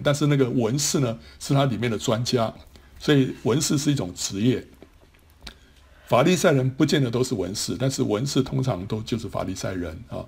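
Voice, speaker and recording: A man's voice: medium pitch, a little mellow, breathy edge. A man teaching a Bible class, explaining step by step with many trailing particles and small restarts. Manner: explanatory, frequent sentence-final particles and restarts.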